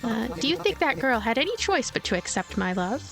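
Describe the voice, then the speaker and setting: A woman voicing a fierce elderly woman who rants, shrill and wheezing, in a visual novel. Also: very animated, a little fast, fairly bright tone, faint music behind. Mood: bitter, defiant. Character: fierce, ranting wounded elderly woman gunfighter.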